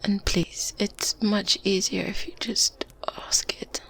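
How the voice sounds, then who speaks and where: In a whispered ASMR roleplay, a woman plays a kindly, wise older witch, speaking softly and breathily with a mid-range voice and steady tone. She's wry and soothing, unhurried and pensive, with murmured hums and gentle pauses. The low-quality recording has a faint ambient noise bed and medieval ambience sounds behind her.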